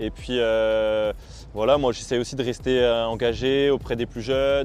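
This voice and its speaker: A man's medium-pitched, flat monotone over background music. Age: 20s. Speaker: athlete. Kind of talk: interview. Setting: outdoors. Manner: hesitant with frequent fillers.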